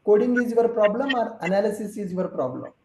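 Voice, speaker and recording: A male trainer with a high voice teaches an online class. He explains things patiently, one step at a time. His tone is mellow, and the room around him echoes. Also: sing-song, a little fast, slight background noise.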